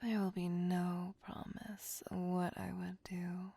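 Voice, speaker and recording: A woman voicing a possessive female vampire in a whispered roleplay, speaking slowly and formally in a breathy, intimate hush. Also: lowish voice, monotone, no echo, full character voice. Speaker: voice actor.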